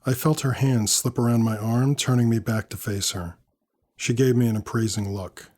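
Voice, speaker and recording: A man narrating a scripted first-person story in a measured, dry, wry manner. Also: mid-range voice, steady tone, a little mellow.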